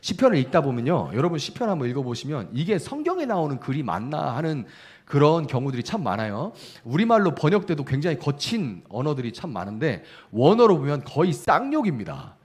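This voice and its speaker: A middle-aged man preaching a Sunday sermon as pastor, acting out quoted lines and dropping soft and low at gentle moments. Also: brisk. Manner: lively, acts out quoted speech in shifting voices; drops to a soft low voice when speaking gently.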